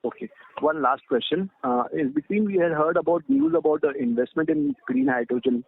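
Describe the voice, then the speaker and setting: A man with an Indian accent asking questions as an investor on an earnings call, polite and halting, over a phone line. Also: a little high, big pitch swings, vocal fry.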